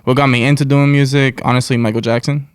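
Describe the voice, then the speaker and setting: A man's voice: mid-range voice, little pitch movement, fast, clear, resonant tone, no echo, studio quality. An American man talking casually in slang as a musician guest in an interview. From United States.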